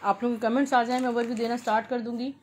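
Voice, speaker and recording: A woman with a Pakistani accent hosting an informal live shopping sale, pitching repetitively and mixing in English words. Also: flat delivery, racing. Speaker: live-sale host selling clothes.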